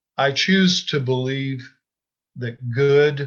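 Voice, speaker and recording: A man speaks at a very slow pace, his pitch medium and his intonation fairly even. His voice is somewhat breathy. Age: 70s. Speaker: lay speaker at a church service. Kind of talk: sermon.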